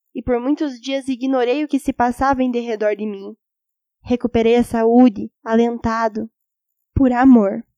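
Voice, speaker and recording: Higher-pitched woman reading literature. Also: darkish tone, dry recording. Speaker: audiobook narrator. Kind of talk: literary audiobook narration.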